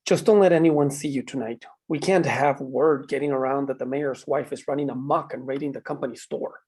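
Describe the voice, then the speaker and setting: A man reads an uneasy small-town mayor in a drama script. He is hesitant and resigned. His voice is husky and mid-pitched. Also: fairly even intonation, brisk, darkish tone, lightly acted. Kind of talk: screenplay table read.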